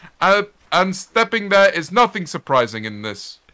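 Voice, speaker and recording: Bright and sharp in tone, a man talks at a moderate pace. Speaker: gamer on a shared server. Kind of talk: casual gaming chat. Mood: amused, laughing between lines. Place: home room. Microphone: studio mic.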